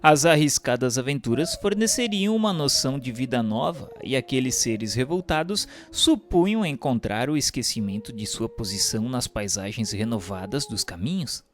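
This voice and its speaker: A man reads a scripted spiritual history narration in a solemn, formal, literary manner. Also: mid-range voice. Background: music behind the voice.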